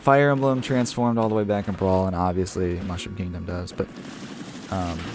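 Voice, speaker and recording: A man with an American accent speaks at a fairly quick pace with ordinary pitch variation. Room echo is audible, and there is noticeable background noise. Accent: Ohio accent, noticeable at times. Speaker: video game streamer. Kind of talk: casual live-stream commentary. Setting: home live stream, thunderstorm outside. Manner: casual, hesitant with fillers.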